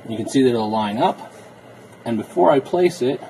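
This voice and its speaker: A man talks through a car trim install in a relaxed, explanatory way while he works. His voice sits at an ordinary middle pitch. There is a faint hiss behind him inside the car. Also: moderate pace, creaky, rough recording. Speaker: car interior DIY reviewer. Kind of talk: casual how-to narration.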